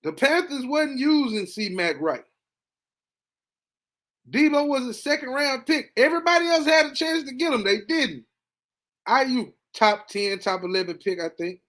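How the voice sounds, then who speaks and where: A man hosting a podcast, reacting casually to a football game, animated and talkative, dropping to low mutters and jumping to excited high bursts. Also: unhurried. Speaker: podcast host. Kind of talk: casual sports reaction monologue.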